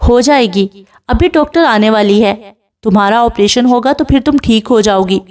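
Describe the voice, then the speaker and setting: A woman's voice: on the high side, a little mellow, far from the mic, lightly acted. A woman voicing a remorseful young man who pleads tearfully for forgiveness. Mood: pleading.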